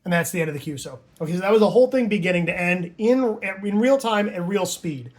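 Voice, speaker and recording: Higher-pitched man giving an informal tutorial. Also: quick pace. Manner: casual, conversational asides. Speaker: amateur radio instructor and operator.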